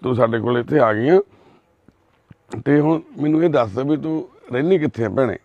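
A man doing social service on a live video, gently soothing a frightened girl and repeating his reassurances. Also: medium pitch, moderate pace, dry recording, highs cut off. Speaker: social worker helping a lost girl.

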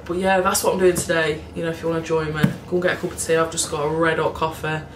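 A woman, a bit hoarse, chatting casually and rambling to camera in her kitchen, swearing and laughing now and then. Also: fairly low pitch. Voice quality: a bit hoarse, froggy throat. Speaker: cleaning vlogger. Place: home kitchen, indoors. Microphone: camera in front of her at table height. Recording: echoey kitchen with background noise.

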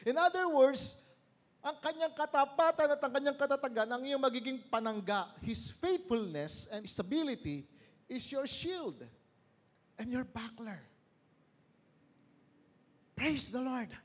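A man preaching as a pastor, switching between two languages, asking the congregation questions and swinging from loud praise to slow, low emphasis. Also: lively intonation. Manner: preaches in Tagalog mixed with English, asks the congregation questions. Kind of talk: sermon.

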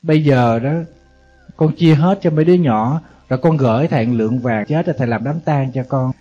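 A woman's voice: very deep voice, fairly quick, dark tone, slightly rough. A monk quoting a greedy, dying eighty-year-old woman who clutches her gold, speaking in a suspicious, querying way. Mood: resigned. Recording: dull lo-fi audio, faint music behind.

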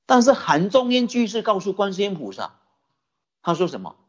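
A Buddhist dharma teacher telling a story in a sermon, animated, often asking the listeners questions. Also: mid-range voice, moderate pace, highs cut off. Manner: animated, many rhetorical questions to the audience.

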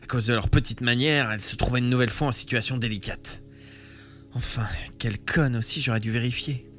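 A man reading a novel aloud live, with expressive, lively storytelling. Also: medium pitch, a little fast, soft background music. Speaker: audiobook reader.

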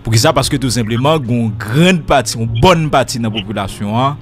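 A man's voice: medium pitch, expressive, normal speed, soft background music. A man hosting a radio interview, setting up long questions with rising emphasis. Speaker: radio host.

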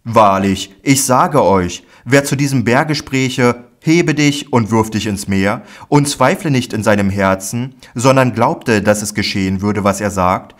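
A man's voice: lowish voice, a little slow, hardly any pauses, lightly acted. A man reading a solemn, commanding teacher. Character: grown male teacher, calm and commanding.

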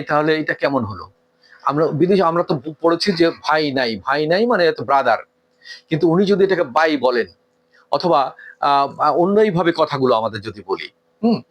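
A man from Bangladesh, giving an earnest, lecturing talk on etiquette, asking rhetorical questions and pausing with frequent hesitations. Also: on the high side, fairly bright tone. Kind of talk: didactic talk.

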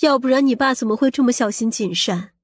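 A woman's voice: a little high, fast talker, no room sound, clean studio sound, close to an everyday voice. A woman playing a vain, scheming middle-aged mother in an audiobook, with a scolding, boastful and coarse-tongued manner. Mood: conspiratorial. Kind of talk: audiobook character acting.

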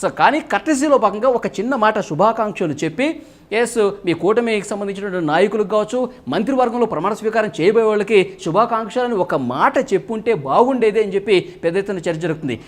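A man delivering political news commentary at a brisk clip, his voice sitting high for a man. He talks fluently and explains as he goes, often leading into phrases with a quick "so". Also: animated.

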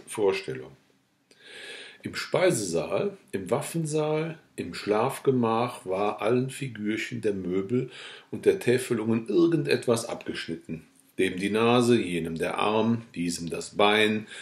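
Low-voiced man reading a novel dramatically. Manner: theatrical, swings from hushed to loud outbursts. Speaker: audiobook reader. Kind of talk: dramatic literary audiobook reading. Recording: roomy echo.

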